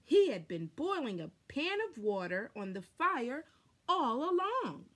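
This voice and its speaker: A woman in her thirties reading a children's story aloud dramatically, with pauses and emphasis. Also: high voice, sing-song, a bit bright. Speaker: storybook reader. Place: small furnished room at home, indoors.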